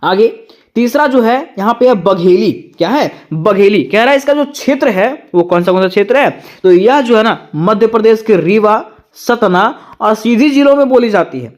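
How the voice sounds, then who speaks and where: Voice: mid-range voice, lively intonation, normal speed. A tutor giving an exam-prep lecture, asking rhetorical questions and answering them, repeating each point twice.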